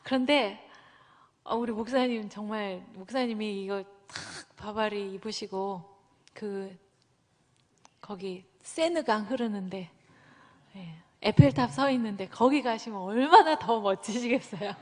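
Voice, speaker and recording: A woman preaching a sermon, telling stories with lively acted-out quoted voices. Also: medium pitch, unhurried. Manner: animated storytelling, acting out quoted voices. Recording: long hall reverb.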